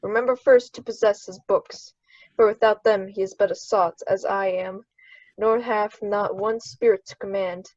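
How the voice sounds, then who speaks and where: A woman's voice: medium pitch, steady tone, normal speed, darkish tone, no room sound, muffled recording, natural voice. A woman playing a bitter, scheming male enslaved monster in a Shakespearean radio play, speaking formal archaic verse. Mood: scheming, murderous. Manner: formal archaic verse delivery, plotting and urging.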